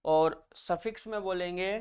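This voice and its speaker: A man's voice: high voice, a little slow, a little mellow, clear, resonant tone. A male chemistry teacher giving a classroom lecture, naming each term, then asking students to repeat it back, calling them children.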